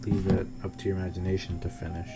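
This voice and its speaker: A man's voice: sits low, little pitch movement, quick pace, gravelly, noisy background. A man livestreaming a game with casual, rambling, joking commentary, often repeating himself. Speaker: game streamer. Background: loud music, keyboard typing.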